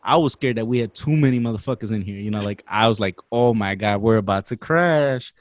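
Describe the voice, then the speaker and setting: 20-something dude telling a story on a podcast, kinda low voice, lots of slang and cussing, dry close mic. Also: male voice, fairly quick, no echo. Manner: animated, slangy, swears freely. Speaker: podcast guest. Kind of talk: casual storytelling.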